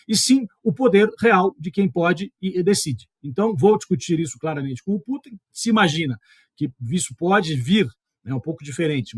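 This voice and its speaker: Here a slightly rough, somewhat high-pitched male voice delivers a video column: he's a middle-aged history and politics professor and columnist from southern Brazil, weighing political issues carefully and with hedges. He speaks with a southern Brazilian Portuguese accent, and the studio-quality audio has no room sound.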